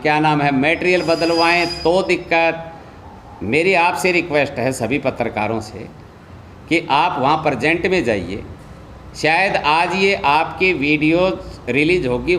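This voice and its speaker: A man with a slightly high-pitched voice gives a press statement as a local politician. He is insistent and accusatory, often repeating his points. There is faint noise behind him. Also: a bit bright. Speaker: local politician and anti-corruption campaigner.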